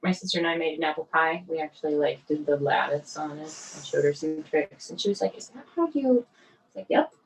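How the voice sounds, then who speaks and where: Chatty low-voiced woman podcast co-host. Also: a little fast, vocal fry, distant mic, a little hiss or hum, poor audio. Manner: chatty, uses "like" a lot. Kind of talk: casual podcast chat.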